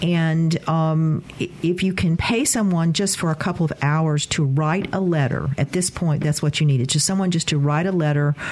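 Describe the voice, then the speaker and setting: Over noticeable background noise, a woman speaks with a very deep, low pitch. Her pace is fairly slow and her intonation fairly even. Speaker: financial analyst. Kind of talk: radio call-in show. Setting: studio.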